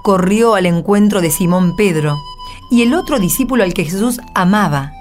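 An Argentine woman reading scripted narration in a measured, solemn manner. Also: mid-range voice, a little mellow, faint music behind. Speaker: narrator and Gospel reader.

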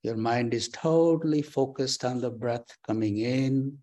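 A man leading a guided breathing meditation, giving slow, calm, soft instructions with long pauses. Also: mid-range voice. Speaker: meditation teacher. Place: temple or meditation hall.

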